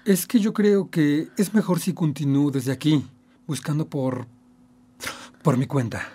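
A man's voice: a little high, unhurried, warm tone, slightly rough. A man voicing an anxious, uptight father clownfish in a classroom cartoon dub, speaking in a hesitant, stammering, fretful way. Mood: awkward. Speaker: dubbing student. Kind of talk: classroom dubbing of an animated film.

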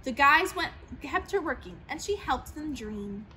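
A young woman reading a rhyming picture book aloud with an expressive, sing-song delivery, seated in an old plane in a large museum hangar. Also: sits high, a little slow, a little hiss or hum. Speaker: storyteller.

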